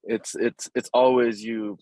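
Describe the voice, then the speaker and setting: A man's voice: mid-range voice, flat delivery, measured pace, mellow, no room sound, rough recording. A man from Nepal, a construction company chief, answering interview questions casually, with many fillers and restarts and a polite "yes, sir". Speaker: construction company CEO, guest.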